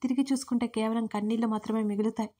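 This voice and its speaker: A heartbroken young woman, read by a female storyteller, speaks with tearful reproach. The voice sits a touch high and stays fairly flat in its melody. It is an audio storybook reading. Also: rapid-fire, close to an everyday voice. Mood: bitter, tearful. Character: young woman, grieving and bitter.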